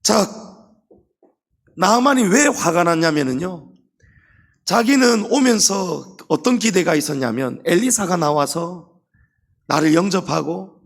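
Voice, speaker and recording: A middle-aged male pastor preaching a sermon with emphasis, rising to loud climaxes and dropping quiet, and acting out the Bible characters he quotes. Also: high-pitched, creaky. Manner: acts out quoted Bible characters in his own voice.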